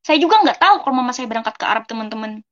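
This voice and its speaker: A woman's voice: a little high, animated, racing, a bit bright, dull audio. Earnest young woman telling her story. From West Java, Indonesia. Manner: earnest, keeps addressing listeners as friends, acts out dialogue. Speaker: testimony speaker. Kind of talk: personal testimony, casual storytelling.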